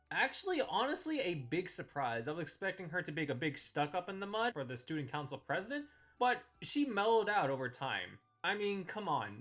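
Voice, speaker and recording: A man with a fairly high, lively voice gives casual, opinionated commentary as a video host. His delivery is bright and informal, swinging freely in pitch over a music bed. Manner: informal, conversational, slangy. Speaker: video host reviewing visual novel characters.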